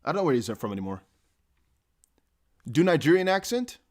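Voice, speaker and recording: Young man, from the Netherlands, casual livestream chat, rambling, slightly high voice. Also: very animated, brisk. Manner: rambling, laughs often, many fillers. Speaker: crypto livestream host. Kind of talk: casual live stream chat.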